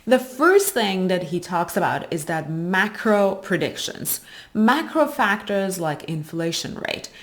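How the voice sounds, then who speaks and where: Female presenter, medium pitch. Prepared explainer delivery to viewers, measured, with emphasis on key phrases. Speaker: host of an investing channel. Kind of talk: explanatory investing commentary, prepared talk to viewers.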